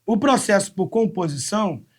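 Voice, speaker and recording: A man with a fairly high voice and a Brazilian Portuguese accent teaches a live exam-prep class. He works through each question step by step and counts syllables out slowly, one by one. He speaks close to the mic. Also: animated.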